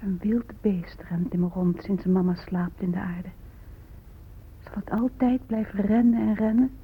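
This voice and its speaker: A performer in a radio drama voicing a grieving, bitter Native American in solemn, measured, poetic recitation. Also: medium pitch, steady tone, slightly rough. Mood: hushed grief. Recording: muffled narrowband old radio recording, faint noise.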